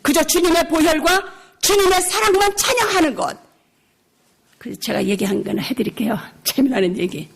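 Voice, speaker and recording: An older woman missionary preaching a revival sermon, telling a personal story with lively acted-out dialogue and frequent laughter. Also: sits high, moderate pace, gravelly. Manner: animated storytelling, acting out her own shouting; laughs often while preaching.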